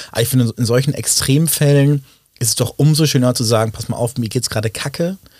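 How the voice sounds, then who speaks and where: A man's somewhat breathy, medium-pitched voice at a very fast pace, with ordinary pitch variation. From North Rhine-Westphalia, Germany. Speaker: podcast co-host. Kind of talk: casual chat.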